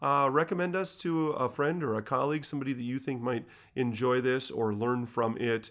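A man talks in a plain, everyday voice at medium pitch and a fairly quick pace, with ordinary pitch variation. The background is quiet. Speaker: podcast co-host. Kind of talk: casual chat. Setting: home. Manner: talkative, laughs often.

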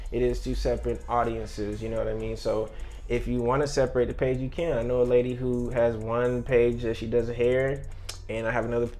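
Room echo is audible here. A man with an American accent talks at a fairly quick pace. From Atlanta area, Georgia (US South). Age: 20s. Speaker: personal trainer and creative entrepreneur. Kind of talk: casual interview.

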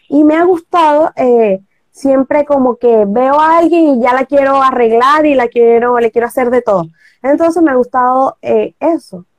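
This woman's voice is high in pitch with ordinary variation. She speaks at a moderate pace. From Venezuela, raised in Valencia, born in Maracaibo. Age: 30s. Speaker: entrepreneur, psychologist. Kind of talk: interview on live stream.

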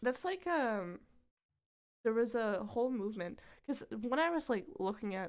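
On a very clean recording with a silent background, a woman talks at a fairly high pitch with lively intonation. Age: 20s. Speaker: podcast co-host and streamer. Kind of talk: casual chat.

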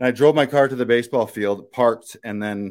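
Over a very clean recording with a silent background, a man talks at a moderate pace with ordinary pitch variation. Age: 40s. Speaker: comedy podcast host and actor. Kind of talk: casual chat. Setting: live stream. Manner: animated.

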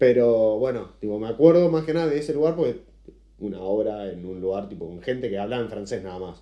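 A very fast man's voice, lively in intonation, with big swings in loudness. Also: medium pitch for a man. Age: 20s. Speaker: podcast host. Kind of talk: casual chat.

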